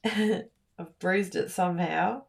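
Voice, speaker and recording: A woman with a croaky voice, hosting a live card-making class in a chatty, giggly, self-teasing way. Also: lowish voice, fairly even intonation, slow. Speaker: card-making instructor and livestream host. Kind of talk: live craft class chat.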